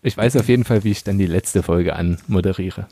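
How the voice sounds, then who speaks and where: A man hosts a relaxed podcast, ribbing his co-hosts as he leads the talk. His voice is mellow and a little husky, and the sound is dry and close. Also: deep voice, a little fast, dry recording. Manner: teasing, chatty, moderates the episode. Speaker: podcast host. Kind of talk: casual podcast banter.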